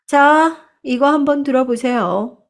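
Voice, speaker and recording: A woman's voice: high-pitched, slow, voice pushed up. A woman voicing a cheeky, self-assured young woman student who talks back confidently. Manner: pert, confident talking back.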